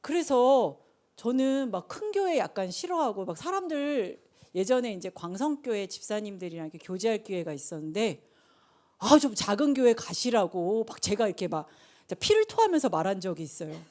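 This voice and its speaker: A middle-aged woman preacher giving a conversational sermon, telling the story with lively asides. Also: mid-range voice, fairly quick.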